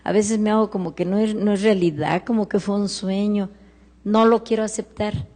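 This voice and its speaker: Older Mexican woman, halting and tearful. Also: medium pitch, steady tone, warm tone. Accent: Mexican Spanish. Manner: halting, repeats words, voice rises when quoting family. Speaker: audience member asking a question. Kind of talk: emotional personal testimony. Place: large hall at a live workshop. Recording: live stream, long hall reverb.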